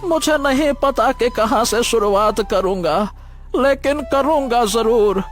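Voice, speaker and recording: A high-voiced, troubled old beggar. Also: male voice, a little slow, soft background music. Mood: bitter. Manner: pleading, hesitant, anguished. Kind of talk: cartoon story voice acting.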